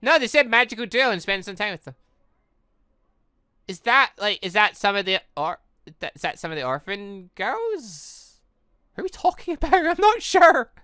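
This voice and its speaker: A woman giving casual let's play commentary, reading game dialogue aloud and rambling as she thinks out loud with animated reactions. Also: mid-range voice, moderate pace, no echo, studio quality. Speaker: gaming channel host.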